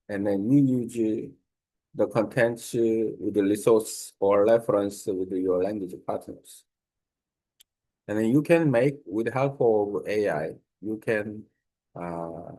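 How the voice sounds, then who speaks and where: Slow, low-voiced man explaining in halting English. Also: dark tone, low-quality recording. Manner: halting, simple non-native English with searching pauses. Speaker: language learner giving a lesson. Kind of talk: unscripted explanatory talk.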